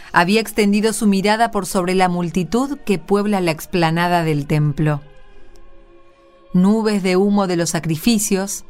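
A woman with an Argentine accent hosts and narrates a scripted radio theatre piece. Her voice sits at a medium pitch and has a somewhat dark tone.

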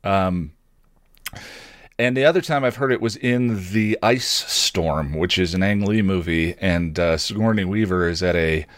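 Deep male voice, animated melody, casual solo podcast, digressive, self-correcting, self-deprecating, dry room. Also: a little slow, no room sound. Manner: self-deprecating, digressive, often correcting himself mid-thought. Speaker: podcast host.

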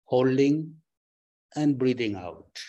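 Man, meditation teacher, guided breathing, very slow pace, calm and soft, long pauses. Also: mid-range voice, dull audio. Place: temple or meditation hall.

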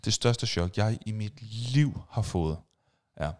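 Man, podcast host, casual storytelling, animated, acts out sound effects. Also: lowish voice.

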